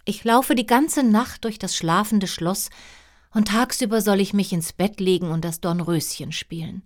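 A woman's voice: medium pitch, normal speed, voice pushed up, close to an everyday voice. A woman voicing a tired, demanding storybook queen who complains in a plaintive way. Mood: weary, complaining.

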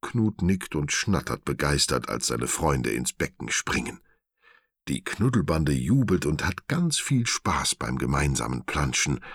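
A man narrating a children's storybook in an animated, expressive way. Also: a bass voice, measured pace, breathy edge, no room sound, studio quality.

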